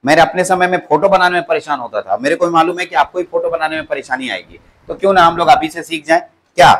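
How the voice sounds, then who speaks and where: A man's voice: on the high side, quick pace, a bit bright. A male polytechnic teacher giving a classroom lecture, repeating key words back to his students as questions. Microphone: clip-on mic at the waist.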